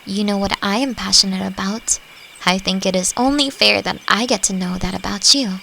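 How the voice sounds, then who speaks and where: A woman playing a friendly, thoughtful forest elf in a roleplay audio drama, talking gently and reflectively to the listener. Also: mid-range voice, steady tone, normal speed, creaky, rough recording. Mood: friendly, teaching. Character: friendly, thoughtful female forest elf, long-lived and curious. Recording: faint noise, nighttime forest insect ambience. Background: crickets and forest ambience.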